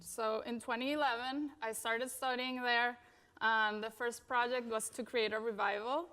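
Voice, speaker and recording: A woman's voice: on the high side, fairly even intonation, normal speed, bright, forceful tone, smooth. Chatty woman designer giving a talk. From Venezuela. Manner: casual, many fillers, frequent "you know" and "like". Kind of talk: conference talk.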